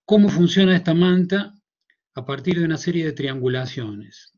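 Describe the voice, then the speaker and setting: Cordobés man in his fifties, professor giving a halting conference talk from home on a headset, muffled call audio. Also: fairly high pitch, a little mellow. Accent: Cordobés Argentine Spanish. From Córdoba, Argentina. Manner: thoughtful, hesitant, many fillers and restarts. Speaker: university professor presenting a paper. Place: small room at home.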